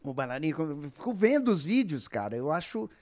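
A man's voice: on the high side, fast talker. A Brazilian man, a voice actor, telling stories in a casual podcast chat and laughing often. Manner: animated storyteller, laughs often.

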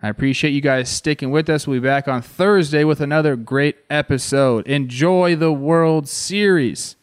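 A man's voice: fairly high pitch, normal speed, clear, resonant tone, dry recording. A man hosting a sports show, explaining plays in a conversational way and putting rhetorical questions to the viewers. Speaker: sports show host and baseball analyst. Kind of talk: explanatory sports breakdown commentary.

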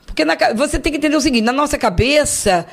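A woman's voice: sits high, lively intonation, fast talker, vocal fry. A woman in her fifties with a Rio de Janeiro accent, a podcast guest telling a long personal story in casual chat, acting out the voices she quotes and repeating words for effect. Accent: Rio de Janeiro Portuguese. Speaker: guest, host's mother.

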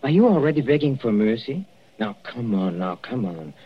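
An actor playing a gloating mathematician murderer in an old radio drama, slow and husky, breaking into frantic shrieks as the poison takes him. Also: male voice, medium pitch, very animated. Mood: menacing. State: panicking, shrieking as he dies. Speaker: villain. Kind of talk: 1940s radio acting. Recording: dull lo-fi vintage radio recording.

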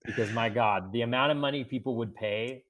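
A podcast host with a cold chats casually in a brisk, mid-range, fairly bright voice that cracks and sniffles. He's sniffling and coughing but still eager and enthusiastic, leaning heavily on filler words.

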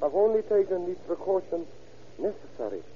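Guarded, courteous drug dealer, put-on East Asian accent, stilted English, high pitch, noisy vintage radio drama sound. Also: male voice, big pitch swings, muffled recording. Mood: guarded, businesslike. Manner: halting, formal, stilted broken English. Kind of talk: old-time radio drama acting.

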